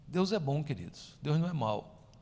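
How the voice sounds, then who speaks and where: A man preaching a sermon as pastor, moving between emphatic lines and soft, hushed ones. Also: fairly high pitch, sing-song, moderate pace, long reverb tail. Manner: emphatic preaching with sudden drops to soft, near-whispered lines. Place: church sanctuary.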